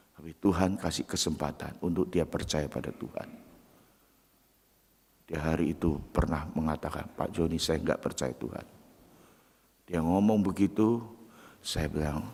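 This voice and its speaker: An older man, a pastor, preaching a sermon and telling stories. He moves from loud, emphatic preaching to hushed, quiet storytelling. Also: a bass voice, vocal fry, breathy edge, long reverb tail. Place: church sanctuary.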